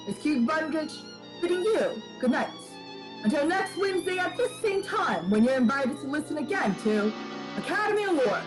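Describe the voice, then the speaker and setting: A woman's voice: sits high, poor audio. 1940s-style radio announcer, played by a woman, polished and showy, with music behind. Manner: formal, showy presentation. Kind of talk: old-time radio announcing, scripted.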